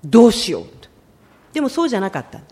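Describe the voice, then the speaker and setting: Woman, middle-aged, sermon, high voice, lively pitch, expressive storytelling. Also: fast talker. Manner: storytelling, acts out quoted lines, emotional and expressive. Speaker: preacher.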